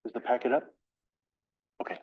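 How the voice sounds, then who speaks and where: A man presenting a reimbursement resolution to a tribal council in a measured, methodical way, reading out figures. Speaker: finance presenter at a council meeting. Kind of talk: formal presentation. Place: council meeting room. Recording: dull lo-fi meeting audio.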